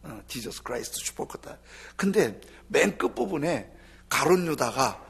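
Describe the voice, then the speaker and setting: A male pastor delivers a sermon in a gravelly, somewhat husky voice that sits a little above the usual male pitch. He preaches with animation, then drops into soft, breathy half-whispers to press a point home. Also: very animated, moderate pace.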